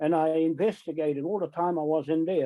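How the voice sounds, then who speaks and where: Talking at a fairly quick pace, a man has a fairly high pitch and a dark, mellow tone. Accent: New Zealand. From New Zealand. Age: 70s. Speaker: sovereignty activist, retired mechanic. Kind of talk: radio interview. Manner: halting.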